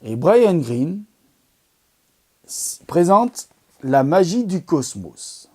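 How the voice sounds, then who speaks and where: A man with a mellow, warm voice that sits a little high, talking casually to his viewers. He rambles with enthusiasm, stumbling over fillers and restarting his sentences as he recommends documentaries. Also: big pitch swings, very slow, slightly rough. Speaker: amateur astronomy video host. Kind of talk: casual product recommendation talk.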